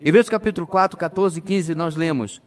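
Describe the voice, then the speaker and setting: A man preaching a sermon as pastor, addressing the congregation as brothers, emphatic with slow pauses. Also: fairly high pitch. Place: church. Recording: reverberant church hall.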